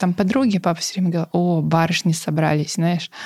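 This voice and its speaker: A normal speaking voice with ordinary pitch variation and a dry, close sound with no echo. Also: woman. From Novorossiysk, southern Russia. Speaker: business founder and CEO. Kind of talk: casual interview conversation. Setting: office, recorded in company office.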